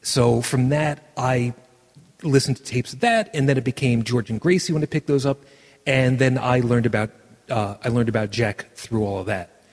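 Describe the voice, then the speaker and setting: This male podcast host speaks at a moderate pace in a mid-range voice, rambling casually with many restarts. The show is broadcast from a virtual world, and the room sound is echoey and washed-out.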